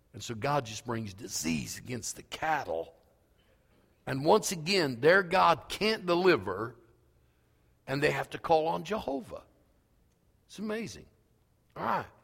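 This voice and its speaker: A man with a fairly high pitch and vocal fry speaks at a fairly slow pace, his pitch swinging very widely and his loudness in big swings, with long, frequent pauses. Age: 60s. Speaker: pastor. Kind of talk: sermon. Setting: church with congregation. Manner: casual, conversational.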